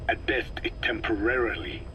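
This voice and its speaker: A man playing an ancient, grave tribal scientist in a video game cassette tape, speaking slowly in a hushed, whispery, formal way. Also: mid-range voice, steady tone, natural voice. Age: older. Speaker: scientist giving instructions. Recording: cassette tape with audible hiss.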